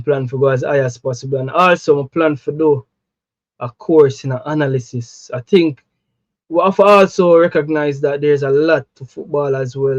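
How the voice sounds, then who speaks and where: A Jamaican man chatting casually about football, animated, slipping into patois. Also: on the high side, no echo, highs cut off. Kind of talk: casual chat.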